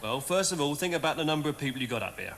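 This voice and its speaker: Man, sketch comic, deadpan, higher voice, noisy track. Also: very fast. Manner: dry, deadpan delivery rising to indignant rant. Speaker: comedian in sketches. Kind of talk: sketch comedy acting.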